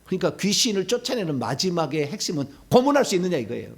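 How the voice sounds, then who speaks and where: A middle-aged male pastor giving a sermon, preaching animatedly and acting out demons' pleas and shouted commands. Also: sits high, sing-song, fast, slightly rough.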